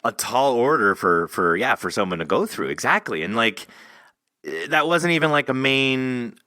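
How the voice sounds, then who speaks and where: A man's voice: mid-range voice, sing-song, normal speed, pushed and bright, dry recording, clean studio sound. A man hosting a podcast in casual interview chat, rambling and thinking aloud as he goes. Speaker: podcast host.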